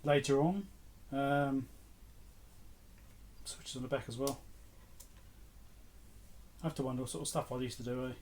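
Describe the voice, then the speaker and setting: A man's voice: medium pitch, steady tone, measured pace, long pauses, darkish tone, a little hiss or hum. A middle-aged man talking casually off the cuff, musing to himself like a vlog host as he goes through items. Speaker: host of an electronics repair channel.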